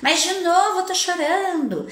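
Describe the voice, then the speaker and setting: A woman's voice: very high voice, expressive, unhurried, echoey room, voice pushed up. A woman voicing an exasperated mother who sarcastically scolds a crying child.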